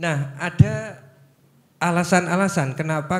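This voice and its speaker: A somewhat breathy man at a fairly slow pace with ordinary pitch variation. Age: 60s. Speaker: law professor; guest lecturer, law professor. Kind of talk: lecture. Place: hall. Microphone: handheld.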